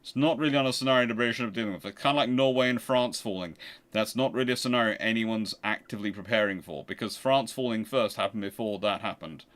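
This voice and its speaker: A man's voice: fairly low pitch, fast, a bit bright. A man hosting a casual live question-and-answer talk, speaking emphatically and arguing through rhetorical questions. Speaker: host of a naval history channel.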